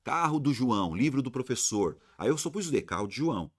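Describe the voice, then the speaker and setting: A man with a Brazilian accent teaching a grammar lesson, slangy and lively, often tossing rhetorical questions at his viewers. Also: medium pitch, brisk. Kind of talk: exam-prep grammar lesson.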